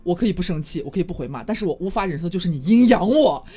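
A woman hosting a casual chat show, telling game stories with lively, indignant storytelling. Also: fairly low pitch, very fast, husky. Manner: animated storytelling, flares up when indignant. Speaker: podcast host.

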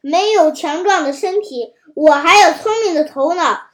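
A woman's voice: extremely high pitch, measured pace. A woman reading a storybook who voices a sly, scheming old male lion with a wheedling, fake-friendly manner. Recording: roomy echo.

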